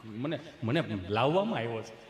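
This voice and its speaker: A man putting on a sheepish, low-voiced village bumbler. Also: lively intonation, normal speed, noisy background, close to an everyday voice. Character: frightened bumbling village man stuck in a ditch. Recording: echoey hall recording.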